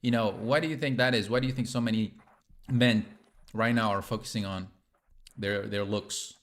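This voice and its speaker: A man's voice: lowish voice, steady tone, normal speed, fairly bright tone. A young man hosting a casual interview, laid-back and joking with slangy asides. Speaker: podcast host.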